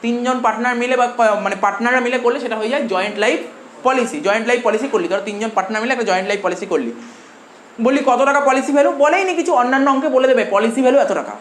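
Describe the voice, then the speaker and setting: A man's voice: very high voice, very fast, fairly bright tone. A male commerce teacher with a Bengali accent, lecturing a class and constantly quizzing his students with repeated questions. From India. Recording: echoey room with faint noise.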